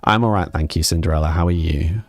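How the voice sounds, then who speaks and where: A man's voice: deep voice, quick pace, faint music behind. A young man with an English accent mixing northern and southern sounds, chatting casually with his stream viewers and reading their messages aloud. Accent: English, mixed northern and southern. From England, with family in Scotland. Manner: relaxed, rambling, answers chat aloud.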